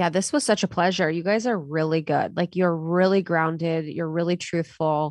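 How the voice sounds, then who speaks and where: This woman has a normal speaking voice, fairly low in pitch, and talks at a moderate pace with hardly any pauses. Her intonation stays fairly even against a quiet background. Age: 30s. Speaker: podcast host, wellness and spirituality. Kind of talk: casual interview chat.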